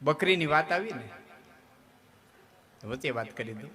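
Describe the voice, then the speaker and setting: A man's voice, on the high side and sharp, carries lively intonation at a measured pace. He is a folk storyteller with a Kathiawadi Gujarati accent performing humorous folk stories on stage, chatty and jokey and often checking in with listeners, with crowd noise from the live audience in the recording.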